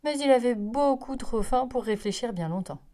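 A woman reading a children's picture book aloud, telling it in an expressive, lively way. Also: fairly high pitch, normal speed. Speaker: storyteller. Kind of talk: children's story read-aloud.

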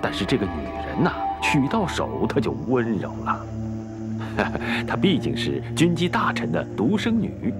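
A man's voice: mid-range voice, huge pitch swings, normal speed, hardly any pauses, over loud music. An actor playing a scheming middle-aged father who coaxes his son toward an ambitious match in a period TV drama. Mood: sly. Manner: persuasive, coaxing.

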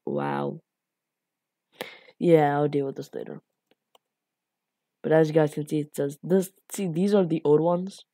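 A woman walks through a coding tutorial in a low, mellow voice, rambling with fillers and apologizing for her slips. Her voice sounds a little raspy from the late hour. The recording is close and dry. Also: expressive, unhurried, long pauses, no room sound. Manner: rambling, self-deprecating, lots of fillers and apologies. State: a bit raspy from being up late.

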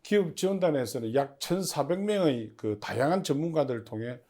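A man giving formal, prepared interview answers as an agency official, in measured and stiffly official phrasing. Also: medium pitch, expressive, mellow. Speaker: head of a public industry agency, interview guest.

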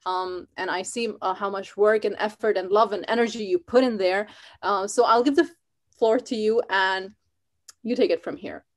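A woman's voice: mid-range voice, moderate pace. A woman in her thirties from Pakistan, an Urdu speaker, hosting a live interview over a video call from home with many fillers. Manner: warm, earnest, many fillers. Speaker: host. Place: home room, indoors.

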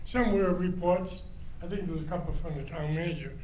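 An older man speaking as a citizen at a public comment microphone in a large council chamber, friendly and halting, with many restarts. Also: fairly high pitch, a little mellow. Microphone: standing microphone. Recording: roomy hall sound, faint hum.

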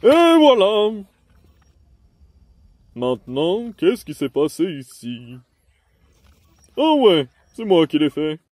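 A man's voice: high-pitched, wildly swooping pitch, slow, pauses often, darkish tone, no room sound, full character voice. A man voicing a zany, theatrical circus ringmaster in a cartoon fan dub, with a showy, whimsical delivery.

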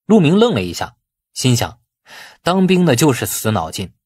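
A man reading a novel aloud as expressive scripted narration. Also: mid-range voice, moderate pace, husky, dry recording, clean studio sound. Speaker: audiobook narrator.

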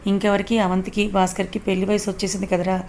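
An easygoing young boss questions his friends directly and plainly, voiced by a woman reading the story. His mid-pitched voice stays fairly level, with a faint hiss in the background. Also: level tone, fast talker, darkish tone, lightly acted. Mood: firm.

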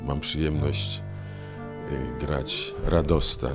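A man's voice: a bass voice, fairly even intonation, slow, vocal fry. A man in his sixties, an actor, talking about his role in an interview. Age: 60s. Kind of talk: interview talk. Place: indoor corridor. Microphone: handheld reporter microphone. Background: music.

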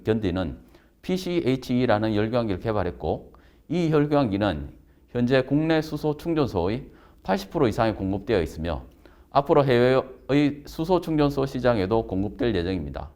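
A man's voice: mid-range voice, darkish tone. A man giving a formal, prepared interview statement as a company representative.

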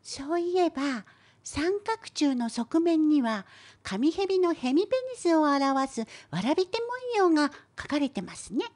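Woman voicing a high-pitched, curious little cat assistant. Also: lively intonation, unhurried. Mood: prompting. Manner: polite, inquisitive, gently cheeky. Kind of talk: scripted educational cartoon dialogue.

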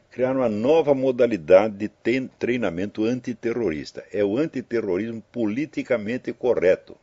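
An older man talks to his listeners in a loose, anecdotal commentary, tossing in tag questions as he goes. His voice is husky and his pitch swings widely. The audio is dull and lo-fi. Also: mellow. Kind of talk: casual spoken commentary.

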